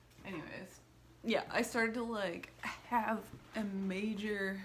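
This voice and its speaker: A woman's mumbling voice with vocal fry. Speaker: chronic illness vlogger. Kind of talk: casual talk to camera.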